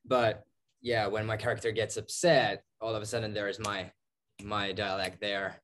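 Soft-spoken young man from Finland. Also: lowish voice, little pitch movement, normal speed, slight background noise. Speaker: actor. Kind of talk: casual interview chat. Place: studio set on a sofa.

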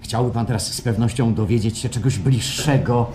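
An actor playing a suave, assured institute president in a radio play, courteous, salesmanlike and smoothly insistent, with a theatrical delivery. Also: male voice, mid-range voice, brisk, lightly acted. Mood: smooth, persuasive. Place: performed live at a radio theatre festival. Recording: live stage radio play, faint noise.

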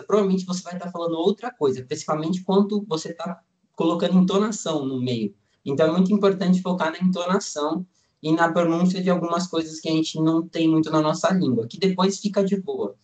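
A young man around nineteen, from Brazil, talks in a loose, rambling way, filling his sentences with little hedges and restarts. His voice sits a bit higher than most men's, and the delivery stays easygoing and conversational. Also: brisk. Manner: relaxed, rambling, many fillers like "tipo" and "assim". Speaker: student guest. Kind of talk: casual interview chat.

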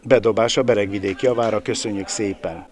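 A man giving live football commentary in an excited, exclamatory manner, with drawn-out cries and a gravelly voice. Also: fairly low pitch. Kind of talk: live bilingual sports commentary.

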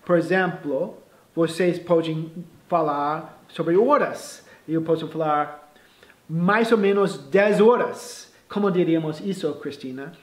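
Speaking slowly in a high, light voice, a man gives a relaxed bilingual lesson on English phrases in an echoey room. He often starts his sentences over and mixes English words into what he explains.

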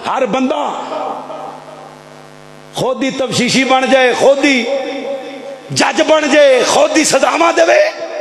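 High-pitched fiery Punjabi preacher man. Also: a little hiss or hum. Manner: impassioned, shouting, calls on the crowd to answer. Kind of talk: fiery sermon. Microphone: stand mic close up.

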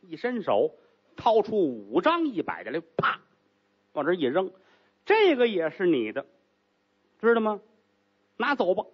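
A man voicing a haughty, commanding rich young concubine, speaking low and cool in a storytelling act. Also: wildly swooping pitch, a little slow, long pauses, breathy edge, lo-fi sound, exaggerated voice. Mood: stern, commanding.

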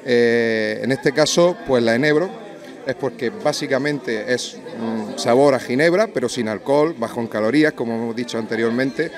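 A man in his forties giving an interview at a busy restaurant event, speaking into a handheld mic with a fluent sales pitch full of "eh" fillers. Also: normal speed, crowd noise. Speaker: drinks company representative.

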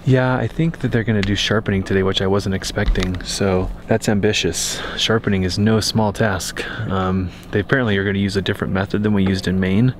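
A man's voice: on the low side, a little fast, hardly any pauses, slight background noise. A man, the homeowner, chatting casually on camera at an outdoor building workshop and telling stories in a rambling way. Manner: rambling, animated storytelling.

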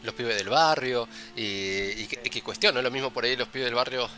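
An Argentine man with a Rioplatense accent co-hosts a casual podcast in a loose, joking tone. His voice is strikingly bright and sharp, and a soft bed of music plays faintly behind him. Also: medium pitch, fairly quick. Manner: loose, joking, peppers talk with "viste". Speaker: podcast co-host. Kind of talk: casual chat.

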